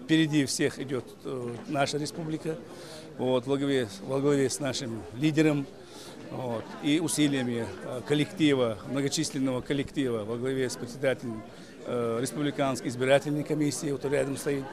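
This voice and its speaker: A man's voice: medium pitch, fairly even intonation, fairly quick, a crowd in the background. A man, an official, giving hesitant, formal remarks with many fillers. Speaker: official speaking at a meeting. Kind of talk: impromptu remarks to a reporter.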